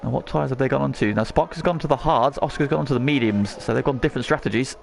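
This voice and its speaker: A man's voice: medium pitch, fast talker, creaky, a little hiss or hum. A man working as lead motorsport commentator on a race, calling the action in short present-tense phrases.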